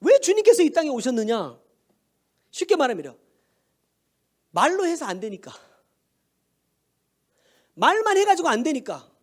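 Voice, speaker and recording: A man's voice: very high-pitched, huge pitch swings, a little slow, long pauses. A male pastor preaching a sermon in a conversational way, asking rhetorical questions and answering them himself.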